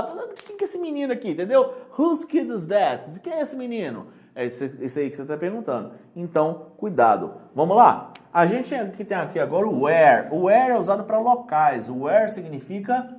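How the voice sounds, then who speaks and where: A teacher with a Brazilian Portuguese accent giving a casual online lesson, chatty and joking, explaining slowly with examples. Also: mid-range voice, very animated, a little mellow. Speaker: English teacher for exam prep.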